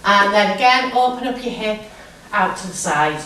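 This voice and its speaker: A woman drama teacher guiding a physical warm-up step by step, with simple, repeated, encouraging instructions. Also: mid-range voice, lively intonation, normal speed, a little hiss or hum. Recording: echoey room, distant microphone.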